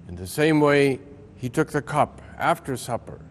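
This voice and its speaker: An older American man, a Catholic priest, reading a scripted religious reflection aloud in a measured, solemn manner. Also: medium pitch, expressive, a little hiss or hum. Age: older, around 70. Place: large ornate church interior.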